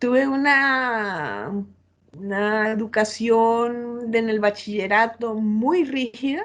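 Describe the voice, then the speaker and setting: A woman at a fairly high pitch and very slow pace. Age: 60s. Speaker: artist and educator. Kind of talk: webinar Q&A answers. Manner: halting.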